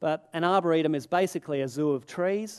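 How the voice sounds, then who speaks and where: Speaking at a very fast pace, a man with an Australian accent uses a high pitch. The background is quiet. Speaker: botanist. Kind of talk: lecture. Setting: stage with audience. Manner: hesitant, many fillers.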